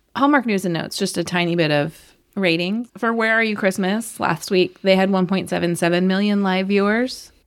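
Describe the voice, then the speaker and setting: With a normal speaking voice, a woman talks at a moderate pace and medium pitch, using ordinary pitch variation and hardly any pauses. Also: very clean recording, silent background. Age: 40s. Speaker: podcast host. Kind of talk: casual chat.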